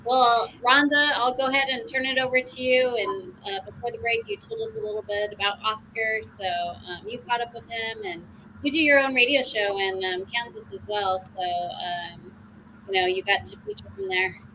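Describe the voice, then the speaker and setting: A woman co-host speaking softly and hesitantly, with many ums, as she hands over to the interviewer. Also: on the high side, normal speed, a little hiss or hum, low-quality recording. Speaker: guest co-host. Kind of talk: radio interview handoff.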